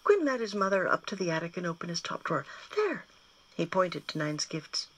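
A woman reads a children's novel aloud with expressive storytelling. Her low-pitched voice is husky yet bright, and it moves up and down with the story. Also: quick pace, rough recording. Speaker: guest reader.

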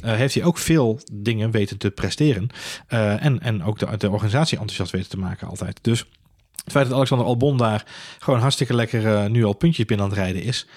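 A man talks fast about motor racing in casual podcast chat. His voice sits low and he scatters fillers and dry jokes as he goes. The sound is dry and close, with no room echo. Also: a little mellow. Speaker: podcast co-host.

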